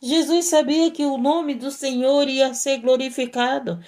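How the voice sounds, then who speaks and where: A woman's voice: high-pitched, steady tone, a little slow, a little mellow. Fervent woman preaching. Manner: fervent, repetitive exhortations with frequent "praise God". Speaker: missionary preacher. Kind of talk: sermon.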